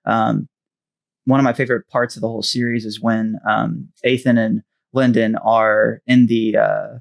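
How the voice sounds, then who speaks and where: A man's voice: lowish voice, level tone, moderate pace, creaky. A man co-hosting a podcast in casual chat, hesitant, with many fillers as he searches for words. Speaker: podcast co-host.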